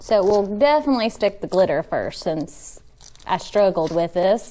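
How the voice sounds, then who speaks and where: With a Texas accent, a woman speaks at a moderate pace and medium pitch, her intonation lively. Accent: Texas twang. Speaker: crafting youtuber. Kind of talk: tutorial. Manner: casual, chatty.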